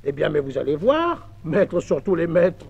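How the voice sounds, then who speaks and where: A man voicing a humble young apprentice blacksmith who speaks quietly and gently, on an old mono record. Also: fairly high pitch, big pitch swings, moderate pace, gravelly, breathy edge, exaggerated voice. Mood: calm. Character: calm, humble young apprentice smith, a boy. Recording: dull 1950s mono record.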